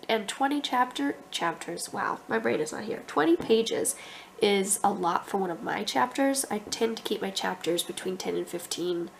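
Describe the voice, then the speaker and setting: A young woman with a blocked-up, congested nose chats through her writing progress in a casual vlog, rambling and thinking aloud, filling pauses with ums. Her pitch sits in a middle range, and faint noise hums under the recording. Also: animated, vocal fry. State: stuffy, congested. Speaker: author vlogger.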